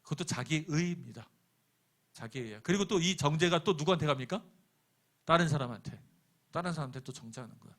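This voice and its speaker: A man's voice: fairly high pitch, animated, fast talker, pauses often, a bit bright. A middle-aged man preaching a sermon as pastor. He keeps asking the congregation questions and answering them himself, and tells a personal story with quoted lines. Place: church sanctuary.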